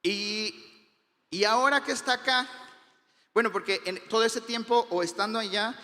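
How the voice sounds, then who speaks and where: A man's voice: high-pitched, moderate pace, sharp tone, big-room sound. A young adult man with a Mexican Spanish accent preaching a sermon in a conversational way, full of fillers and restarts. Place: church hall.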